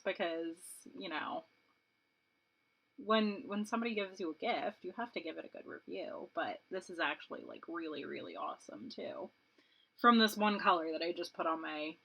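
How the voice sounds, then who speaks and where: A woman's voice: mid-range voice, normal speed, muffled recording. A woman in her late twenties, a beauty vlogger chatting casually and rambling while she does her makeup, laughing often. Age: 20s.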